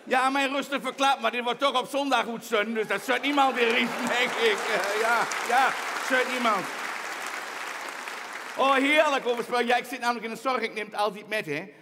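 High-voiced Twents man joking on stage. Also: fairly even intonation, in a large hall, crowd noise, background noise. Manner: chatty, teasing, quick asides. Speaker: comedian hosting a quiz. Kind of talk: stage comedy patter. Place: theater stage.

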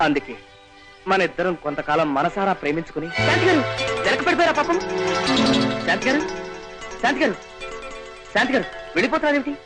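An excitable lovestruck young man. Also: high-pitched, over loud music, low-quality recording. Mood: earnest. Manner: theatrical, rapid and exclamatory. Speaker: young suitor in a film comedy. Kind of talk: 1990s Telugu film comedy acting.

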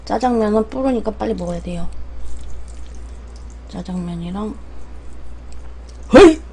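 A woman's voice: fairly high pitch, lively intonation, a little slow, a little hiss or hum. A young woman chatting casually with viewers on a livestream while she eats. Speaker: mukbang streamer. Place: small room at home, indoors.

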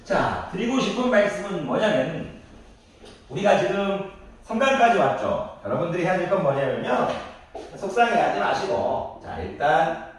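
A middle-aged man teaching a math lesson to young children. He refers to himself as the teacher and counts aloud slowly while drawing. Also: high voice, sing-song, slight background noise. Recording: echoey room, voice from a distance.

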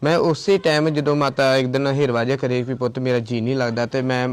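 A man's voice: mid-range voice, flat delivery, quick pace, clear, resonant tone. A man from Tarn Taran in Punjab, an ashram caretaker who talks insistently, repeating his points and quoting phone calls. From Tarn Taran district, Punjab. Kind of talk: confrontational on-location video.

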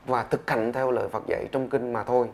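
A man telling a story in a steady, measured narrating voice. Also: mid-range voice. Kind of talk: scripted storytelling.

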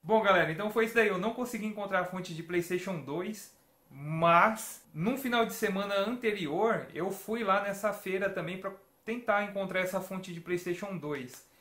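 A man's voice: sits high, normal speed, bright, forceful tone, reverberant. A man in his thirties with a Brazilian Portuguese accent, chatting to camera as a retro gaming vlogger and telling stories with many tag questions. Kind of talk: casual chat to camera. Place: home room with shelves of games and toys.

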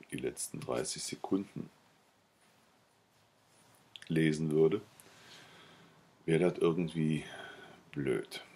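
A man reading a novella aloud in a calm, measured way, then chatting briefly at the end. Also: very deep voice, creaky, a little hiss or hum. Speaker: audiobook reader.

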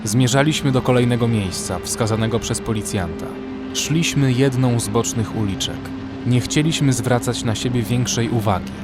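A man's voice: medium pitch, normal speed. A man narrating a horror story in the first person, scripted and dramatic. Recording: music behind the voice.

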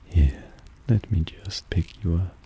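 A man playing a suave, possessive vampire in intimate ASMR roleplay, soft, teasing and soothing, often dropping into a whisper. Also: low-pitched, takes it slowly, a little hiss or hum. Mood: fond, teasing.

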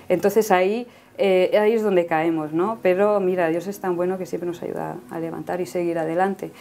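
Woman in her 30s sharing her testimony, mellow warm tone, keeps tagging "no?" onto her sentences. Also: medium pitch. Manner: earnest, ends phrases with a questioning "no?". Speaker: guest giving a faith testimony. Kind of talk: personal testimony in conversation.

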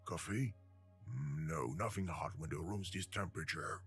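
A man's voice: extremely low pitch, takes it slowly, fairly bright tone, faint music behind, heavily acted. An actor playing a grumpy, easily puzzled man alone at home in a video game. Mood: muttering.

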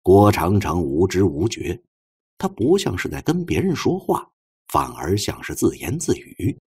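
A man narrating a novel as an audiobook, in an expressive scripted storytelling style. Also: low voice, a little slow, slightly rough.

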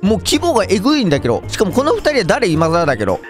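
Young male gaming host, slightly high, very lively voice, excitable and jokey, faint music underneath. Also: racing. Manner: excitable, jokey, talks to viewers. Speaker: gaming YouTuber. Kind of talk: game commentary.

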